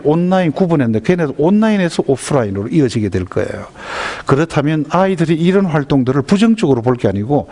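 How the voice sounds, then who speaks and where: A man giving a lecture to parents, often asking the audience questions. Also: mid-range voice. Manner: lively, asks the audience questions. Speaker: lecturer on school violence prevention.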